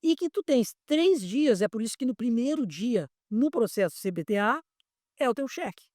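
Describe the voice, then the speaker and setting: A man's voice: very high voice, expressive, moderate pace, darkish tone, no echo, clean studio sound. A man, an airline pilot examiner explaining things patiently in a podcast interview and often repeating words as he searches for them.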